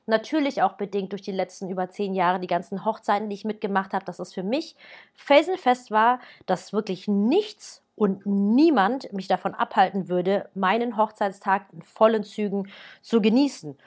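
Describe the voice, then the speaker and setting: A woman's voice: medium pitch, normal speed. A woman in her thirties, born in Germany, talking casually and directly to the listener as a wedding planner giving advice. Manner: chatty, lively, speaks directly to the listener.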